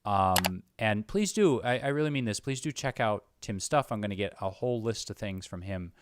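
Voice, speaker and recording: A man's voice: on the low side, animated, moderate pace, heavy background noise. A man hosting a casual interview, speaking earnestly and full of appreciation. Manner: earnest, effusive praise of guest. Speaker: show host.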